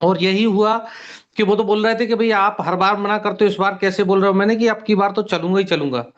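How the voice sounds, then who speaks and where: A man in his fifties from near Gwalior, giving a steady, detailed personal testimony on a video call. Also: high-pitched, a little fast. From India, near Gwalior. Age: 50s. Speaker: testimonial guest. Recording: muffled online call audio.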